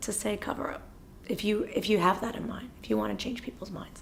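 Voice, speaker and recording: Vocal fry runs through this speech in an American accent with ordinary pitch variation. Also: woman. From New York City, Brooklyn. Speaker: lawyer and writer. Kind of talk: informal explainer on law. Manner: many fillers, uh and um.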